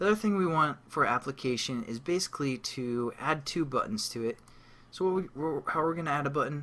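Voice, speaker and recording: The speaker talks at a fairly quick pace. Their intonation is lively. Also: man. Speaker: programming tutorial instructor. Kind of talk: screen-recorded coding tutorial. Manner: fast; casual.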